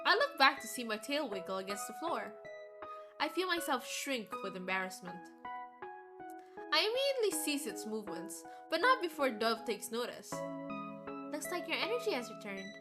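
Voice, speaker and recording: Female streamer, fairly high voice, expressive visual-novel narration, music behind. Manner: expressive storytelling. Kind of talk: reading a visual novel aloud, dramatic narration.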